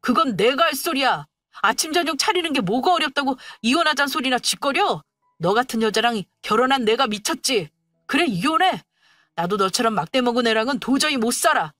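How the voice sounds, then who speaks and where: A woman voicing a young husband in a story drama, first pleading, then shouting insults. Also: high voice, lively intonation, fairly quick, dry recording, clean studio sound, soft background music. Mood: furious. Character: young male husband, sulky then angry.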